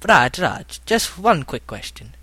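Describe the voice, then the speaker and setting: A playful male podcast co-host with a bright, forceful voice who often repeats his words. His sound is dry and close to the mic. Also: a little high, big pitch swings, slow, husky, no room sound. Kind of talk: comedic podcast banter.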